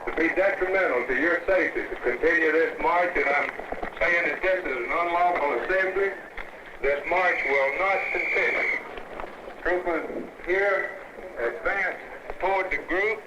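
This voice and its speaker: A man issuing stern commands through a blaring bullhorn loudspeaker, in an old archival recording. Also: fairly high pitch, a little slow, heavy background noise. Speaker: officer ordering a crowd to disperse. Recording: echoey muffled archival outdoor recording.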